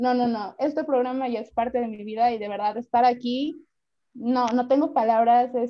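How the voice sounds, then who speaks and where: At a moderate pace, a woman speaks in a high pitch with fairly even intonation but big swings in loudness. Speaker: podcast guest, comic fan. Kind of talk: casual chat. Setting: video call.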